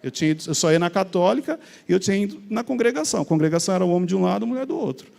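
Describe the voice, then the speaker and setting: A middle-aged Brazilian man telling his personal faith testimony in an animated storytelling way, acting out remembered conversations. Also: high voice, very fast, vocal fry, long reverb tail. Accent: Brazilian Portuguese. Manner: animated, acts out remembered dialogue. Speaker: speaker sharing a faith testimony.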